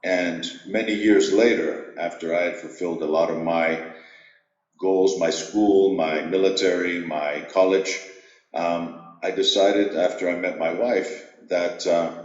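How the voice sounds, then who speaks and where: Deep-voiced man telling his story. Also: steady tone, unhurried, a little mellow, echoey room, highs cut off. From Greece. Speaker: executive coach. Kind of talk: interview storytelling.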